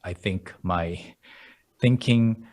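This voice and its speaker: Low-voiced man, explaining. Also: very slow, darkish tone. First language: Korean. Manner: patient, explanatory, chuckles while making points. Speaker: guest, language educator. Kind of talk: conversational interview.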